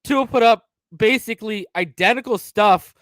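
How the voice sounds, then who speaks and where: Ranting high-voiced man, dry mic. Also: moderate pace, dry recording. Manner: heated, mocking, swings from mumbling to loud. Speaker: podcast host. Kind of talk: casual live-stream rant.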